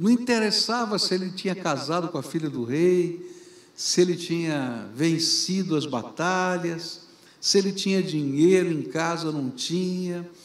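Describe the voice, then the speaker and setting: A man's high voice at a very slow pace with ordinary pitch variation. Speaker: pastor, preacher. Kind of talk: sermon telling a Bible story.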